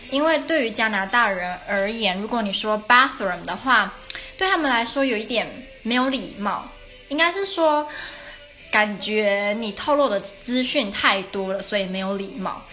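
A woman's voice: mid-range voice, animated, normal speed, sharp tone, faint music behind. A tired woman giving a casual podcast lesson on English phonetics, talking unhurriedly with many fillers and restarts.

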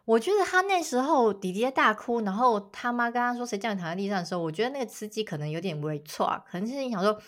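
Quick-talking woman in casual chat. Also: mid-range voice, animated, fairly bright tone. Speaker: podcast co-host.

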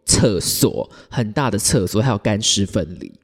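Lively man telling a story. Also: lowish voice, moderate pace. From Taiwan. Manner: animated, laughs often, acts out quoted arguments. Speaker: podcast host. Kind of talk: casual storytelling chat. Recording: echoey room with long reverb.

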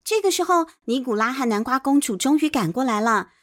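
A woman with a Taiwanese accent, a children's storyteller and podcast host, narrates a bedtime story expressively with playful asides. Her voice is high-pitched, animated and fairly quick, over clear background music.

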